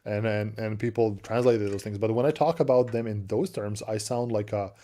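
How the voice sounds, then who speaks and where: Serbian guy, native serbian, chatting about tech on a stream, low mellow voice, keeps repeating words and laughing. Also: steady tone, moderate pace. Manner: chatty, laughs often, repeats words while searching for them. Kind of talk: casual tech chat.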